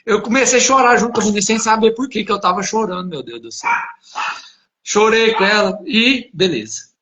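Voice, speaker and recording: A man's voice: high-pitched, fast, noisy background. A man, a Catholic preacher, casually telling a personal faith story and acting out the dialogue. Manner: animated, acts out dialogue in his story.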